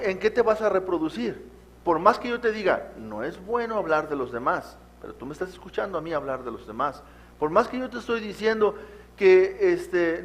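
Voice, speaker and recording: A man, a pastor, preaching a sermon to his congregation, exhorting them with frequent rhetorical questions. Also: high-pitched. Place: church.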